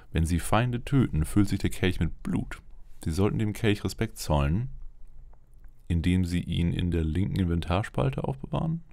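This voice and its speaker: A man's voice: low voice, gravelly, a little mellow, dry recording. A man giving casual roleplay commentary on a video game, musing and thinking aloud. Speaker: let's player. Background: game music.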